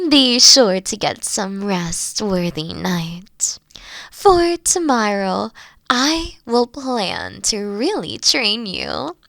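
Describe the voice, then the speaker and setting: A woman playing a mature-seeming young queen in a roleplay audio drama, tender and teasing, soft-spoken and often slipping into breathy whispers. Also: fairly high pitch, huge pitch swings, extremely slow, no room sound, exaggerated voice. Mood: warm, playful. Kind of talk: scripted roleplay audio drama, intimate one-on-one.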